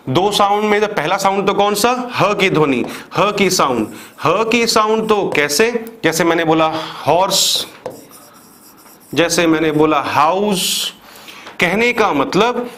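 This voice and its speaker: A man with an Indian accent, an English teacher for exam prep, gives a classroom grammar lecture to exam students. He asks questions and answers them himself, repeating examples step by step. His voice sits high with a fairly bright tone.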